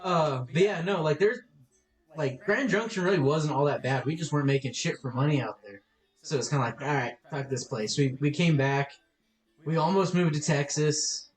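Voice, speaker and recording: Chill young guy on a podcast, slightly high voice, says like and dude a lot, bit of echo. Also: moderate pace, faint music behind. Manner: laid-back, fills talk with "like" and "dude". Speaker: podcast host. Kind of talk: casual chat. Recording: echoey playback in the audio.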